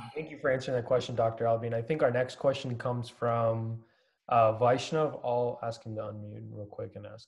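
In a quiet background, a man talks at a moderate pace with a somewhat breathy voice, fairly even intonation and big swings in loudness. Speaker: panel moderator and organization founder; panel moderator. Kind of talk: moderated panel discussion. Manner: halting, many fillers. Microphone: video call.

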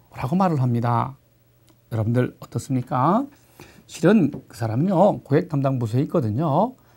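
Lively intonation marks this man's fairly high-pitched, somewhat breathy voice. His tone is dark and mellow, and he keeps a moderate pace. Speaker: English lecturer. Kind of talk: lecture. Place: studio. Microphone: lapel.

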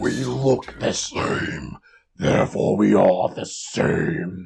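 Using a put-on character voice, a man speaks at a very slow pace with a very deep, low pitch. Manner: creepy, sinister.

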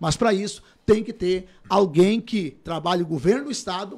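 His pitch is high. The man's pitch variation stays ordinary. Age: 50s. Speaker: politician and pastor; candidate. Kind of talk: radio interview. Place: studio. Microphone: studio mic.

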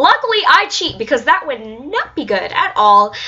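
Against a quiet background, a woman speaks at a moderate pace in a raised, projected voice. Her pitch swings are very wide. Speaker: gaming video creator. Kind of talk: casual gameplay commentary. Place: home room. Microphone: webcam.

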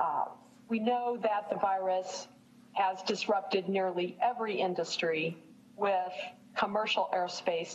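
This woman speaks at a fairly slow pace with ordinary pitch variation. Light background noise sits behind her. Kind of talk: press briefing remarks. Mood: upbeat, reassuring. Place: home room. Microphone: video call.

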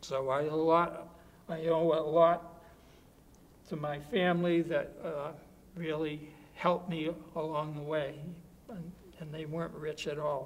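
A man with an American accent speaks at a fairly slow pace in a monotone, flat intonation, with long, frequent pauses. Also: fairly high pitch for a man. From Massachusetts, US. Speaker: interviewee scientist. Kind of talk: interview answer. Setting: conference interview. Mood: reflective, reminiscing. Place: studio.

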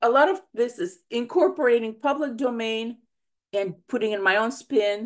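Against a quiet background, someone with an American accent talks at a moderate pace in an animated tone with lively intonation. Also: woman. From USSR, came to US as a child refugee. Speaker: author; interviewee. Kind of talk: interview. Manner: animated, talkative. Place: home room. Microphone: video call.

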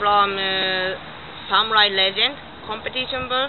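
Over noticeable background noise, a woman with a non-native accent speaks at a very slow pace in a dry sound with no echo. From Japan. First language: Japanese. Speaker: chainsaw carver. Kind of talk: casual talk to camera. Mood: friendly, enthusiastic. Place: open country. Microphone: phone near.

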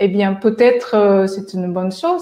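The background is quiet, and the room echo is audible. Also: woman. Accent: Japanese. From Japan. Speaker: yoga teacher and coach. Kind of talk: workshop talk with guided exercises. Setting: video call. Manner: halting. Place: home room. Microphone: lapel.

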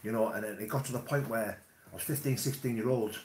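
A man speaks in a monotone, flat delivery. The room echo is audible. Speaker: actor interviewed about his past. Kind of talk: interview answer. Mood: earnest, reflective. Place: home room. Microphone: phone near.

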